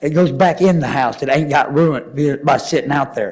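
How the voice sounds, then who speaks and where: A man with a Texan accent at a fairly quick pace. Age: 60s. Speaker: homeowner appealing to city board. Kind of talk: public hearing testimony.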